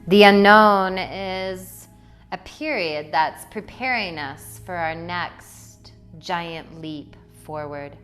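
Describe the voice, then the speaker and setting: A woman leading a guided meditation in a poetic, soothing way, with deliberate phrasing and long pauses. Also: fairly low pitch, fairly bright tone. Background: music.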